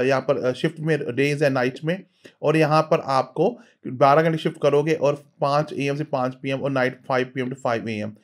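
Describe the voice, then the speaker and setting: A middle-aged man with a fairly high voice walks through web pages step by step. He talks in a halting way, stopping often to search for his next word. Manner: hesitant, many fillers, explains step by step. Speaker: vlogger, career advisor. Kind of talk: screen-recorded walkthrough voice-over.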